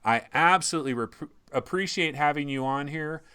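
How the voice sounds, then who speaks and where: A man hosting a livestream, chatting casually in excitable bursts and swearing freely. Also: on the high side, normal speed, smooth. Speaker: livestream host. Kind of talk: casual chat.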